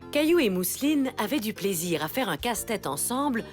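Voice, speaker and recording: Lively woman narrating a children's story. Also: fairly high pitch, brisk. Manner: expressive storytelling. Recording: music behind the voice.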